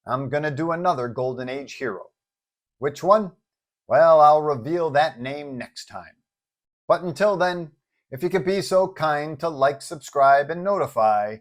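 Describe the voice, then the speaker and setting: A man hosting and telling a scripted superhero-style story in a dramatic narrator's delivery. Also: on the high side. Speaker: storyteller and channel host.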